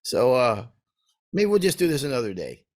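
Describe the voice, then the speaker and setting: A man co-hosting a casual podcast, hoarse from days of talking, rambling and restarting his sentences. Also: medium pitch, big pitch swings, moderate pace. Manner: rambling, self-interrupting. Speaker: co-host.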